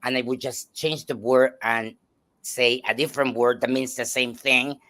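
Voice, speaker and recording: A man from El Salvador with a Salvadoran Spanish accent, a native Spanish speaker, telling his life story as a guest with many pauses and restarts. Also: medium pitch, fairly even intonation, pushed and bright. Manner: hesitant, many fillers and restarts. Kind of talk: personal storytelling in a talk show.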